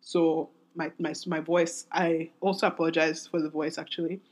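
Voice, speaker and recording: A woman in her twenties hosting a solo podcast, talking in a candid, rambling way with many restarts, her voice raspy and strained from singing. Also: low-pitched, little pitch movement, normal speed, a little mellow. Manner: rambling, self-interrupting, candid. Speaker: podcast host.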